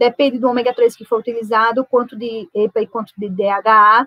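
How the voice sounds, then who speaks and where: Her pitch fairly high, a woman talks with intonation that stays fairly even. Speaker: nutritionist and university lecturer. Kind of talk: lecture; closing remarks in webinar. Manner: fast.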